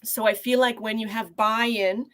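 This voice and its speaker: A woman doctor talks through her experiences in an earnest, measured way, her voice sitting a little high. She speaks over a video call, reflecting as she answers. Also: steady tone, fairly bright tone. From Canada. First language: not Portuguese. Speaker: neonatologist guest. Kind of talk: conversational interview answers.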